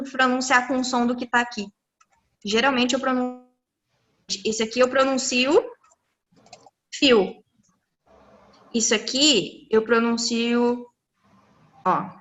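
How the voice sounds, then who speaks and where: A woman, an English teacher explaining pronunciation rules to students in a live online class over a computer mic, lively and encouraging. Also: a little high. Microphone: computer mic on a video call.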